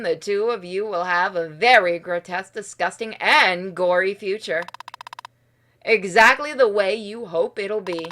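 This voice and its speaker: A woman reading game text aloud and reacting casually, with a playful, expressive manner. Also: mid-range voice, slight background noise. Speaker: game streamer.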